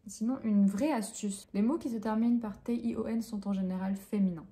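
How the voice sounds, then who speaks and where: A woman's voice: medium pitch, a little fast, dark tone. A young Frenchwoman who teaches French, answering interview questions in a hesitant way with many fillers and self-corrections. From France.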